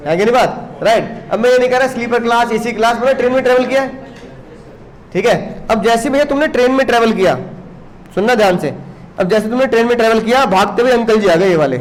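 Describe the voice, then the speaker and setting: High-pitched male teacher who makes a lively, story-driven classroom lecture. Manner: animated storytelling, teasing the students. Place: classroom with students.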